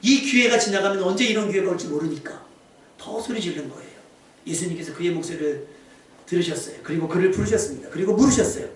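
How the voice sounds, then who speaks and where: Male pastor, high voice, animated sermon delivery, echoey church hall with a distant mic. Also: quick pace. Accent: Korean. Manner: animated preaching, acting out quoted voices. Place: church sanctuary.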